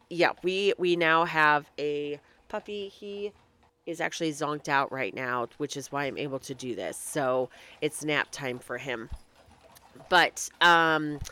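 A woman chats through her podcast in a low, smooth voice. A lingering cold leaves her slightly nasal and crackly. She talks casually and reads long lists at an easy pace. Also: a bit bright. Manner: chatty, reads lists of dates aloud. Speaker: podcast host. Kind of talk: casual solo podcast talk.

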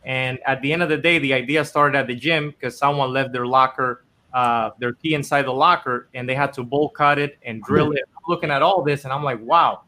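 A man's voice: mid-range voice, steady tone, fairly quick, pushed and bright. A man from the Dominican Republic, a company founder, telling his story in a casual, earnest, rambling interview with many fillers.

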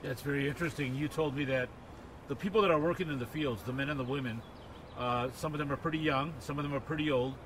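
A podcast host with a mid-pitched male voice asks his questions warmly and admiringly, dropping in the occasional "uh" as he goes. Steady traffic noise from an outdoor setting runs clearly under his voice. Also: quick pace, low-quality recording. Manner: warm and admiring, with frequent filler "uh". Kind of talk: conversational interview.

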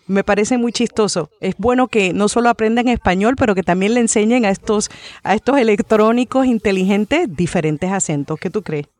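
A woman's voice: mid-range voice, fairly quick, darkish tone, dry recording. A woman who is a guest on a podcast interview, speaking in a chatty, friendly way with many fillers.

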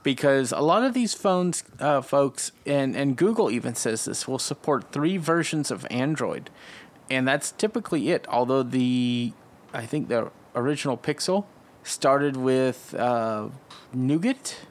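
A man co-hosting a podcast, explaining features at length in a relaxed, casual way and leading the discussion. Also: medium pitch, measured pace. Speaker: podcast co-host. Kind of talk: casual tech chat.

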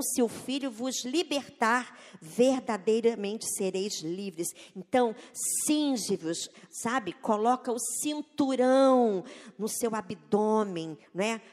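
A woman delivers a sermon in a fairly high voice. She speaks slowly and stresses her points earnestly, often putting rhetorical questions to her listeners. Her voice rings out with a long reverb, as in a large hall. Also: a little mellow. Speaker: preacher.

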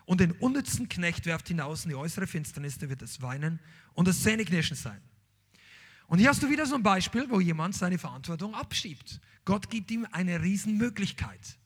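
A man preaching a sermon, reading scripture aloud and then explaining it in an animated preaching manner. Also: high voice, fairly quick, husky. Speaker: pastor.

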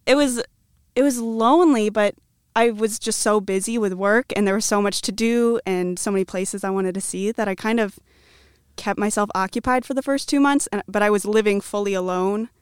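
A woman's voice: medium pitch, normal speed, smooth, dry recording, studio quality. A woman in her twenties from the American Midwest, chatting casually as a podcast guest in an upbeat, talkative way. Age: 20s. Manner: chatty, upbeat, many likes. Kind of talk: casual chat.

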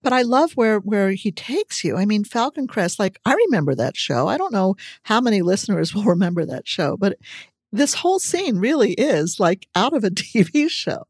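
A woman's voice: mid-range voice, very animated, moderate pace, a little mellow, breathy edge, dry recording, studio quality. A woman podcast host interviewing a guest, enthusiastic and laughing often.

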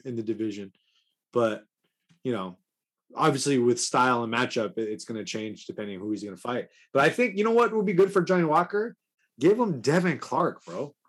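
A man's voice: medium pitch, fairly bright tone. A young man co-hosting a podcast, laid-back and slangy as he picks matchups. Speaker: podcast co-host. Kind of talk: casual fight talk.

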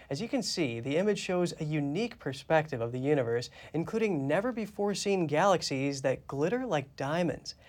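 A man anchoring a news program, reading scripted news in a steady, clear way. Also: on the high side.

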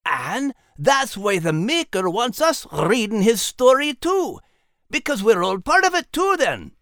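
A man's voice: very high-pitched, big pitch swings, unhurried, fairly bright tone, no echo, clean studio sound, pitched above the performer's own voice, exaggerated voice. A man voicing a friendly, earnest dog with a folksy Scottish accent, hosting a children's animal story. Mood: earnest, delighted. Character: friendly, plain-spoken male Scottish dog. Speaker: podcast host character.

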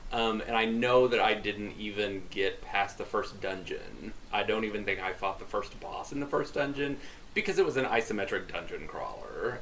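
A man's voice: lowish voice, fairly bright tone, slight background noise. A man co-hosting a podcast about video games, talking casually and sarcastically with many ums. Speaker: podcast co-host. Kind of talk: casual gaming chat.

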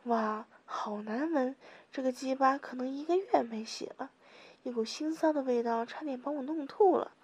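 A woman reading a first-person adult audio story in a soft, intimate storytelling manner with small giggles. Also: high voice, normal speed, husky. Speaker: narrator.

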